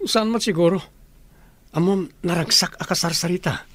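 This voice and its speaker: A man's voice: sits high, moderate pace, a bit bright, no echo. A man with an Ilocano accent, playing a casual young friend in a radio drama. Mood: breezy. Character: breezy young male friend who calls others bro.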